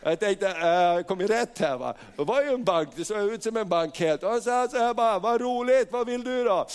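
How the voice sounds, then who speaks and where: A middle-aged man preaching a sermon, telling stories with animated acted-out voices and frequent hallelujahs. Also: high voice, clear, resonant tone.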